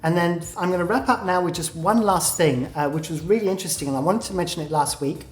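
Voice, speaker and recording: A woman with a low, deep-set voice walks through a weekly gaming war update in an analytical way, often pausing on "uh". The recording has a roomy echo, with faint music playing underneath. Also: a little mellow. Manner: analytical, with frequent "uh" pauses. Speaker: game news commentator.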